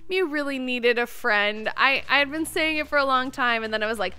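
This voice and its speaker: This woman's voice sits high and sounds brisk, bright, and forceful, with a clear, resonant quality. She hosts a gameplay series and keeps up casual, expressive commentary, narrating her own moves aloud.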